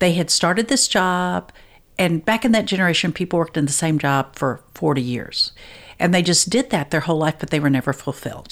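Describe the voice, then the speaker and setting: This woman has an unremarkable speaking voice, fairly low in pitch, with lively intonation at a fairly quick pace. The recording is very clean with a silent background. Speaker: pastor. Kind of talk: casual interview conversation.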